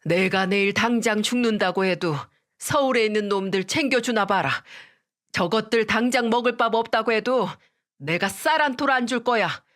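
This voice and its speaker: A woman voicing a hot-tempered older father-in-law who talks in a shouting, furious way. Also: mid-range voice, normal speed, pitched above the performer's own voice, natural voice.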